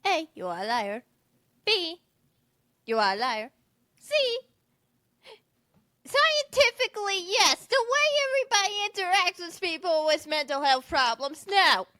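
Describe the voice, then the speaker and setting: A woman's voice: very high voice, sing-song, unhurried, pauses often, pushed and bright. A woman in casual chat, making opinionated points emphatically, one by one.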